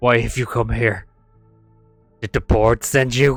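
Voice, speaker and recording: Faint music sits in the background behind a put-on character voice delivered at a fairly slow pace. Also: man, medium pitch for a man. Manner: questioning, menacing.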